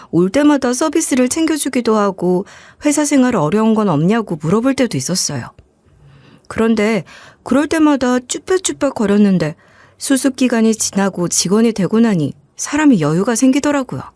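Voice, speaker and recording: 차분한 여성 사연 낭독자. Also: female voice, on the high side, mellow, no room sound. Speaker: story narrator. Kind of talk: scripted narration.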